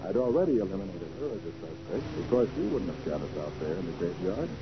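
A man's voice: low voice, big pitch swings, quick pace. An American man playing a shrewd, self-assured private detective in a 1940s radio drama, explaining things with confident showmanship. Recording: muffled, noisy 1940s radio recording.

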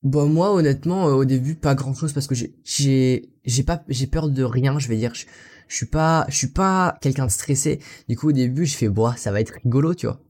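A man's voice: medium pitch, normal speed, a little mellow. A young man from France, an English teacher, telling his story casually in an interview, rambling and often tossing in "you know" and "so". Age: young adult.

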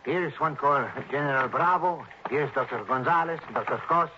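An actor as a polite sergeant. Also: male voice, a little high, a little fast, close to an everyday voice. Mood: cautious. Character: young male police sergeant, cautious. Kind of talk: 1960s radio drama acting. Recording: muffled old radio broadcast with faint hiss.

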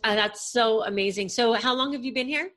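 A woman's voice: fairly high pitch, fairly quick, fairly bright tone. A woman hosting a podcast interview, upbeat and encouraging with her guest. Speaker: podcast host.

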